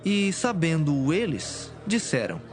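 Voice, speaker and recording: A man's voice: a little high, wildly swooping pitch, slow. A man giving solemn scripted narration as the narrator of a dramatized Bible. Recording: music behind.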